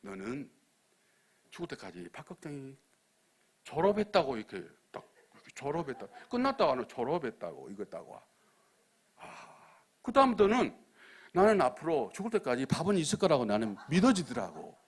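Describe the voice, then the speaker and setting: A man with a Jeolla accent preaching a sermon as a missionary, telling stories with sudden loud emphasis and near-whispers. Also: medium pitch, wildly swooping pitch, moderate pace, breathy edge. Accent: Jeolla dialect.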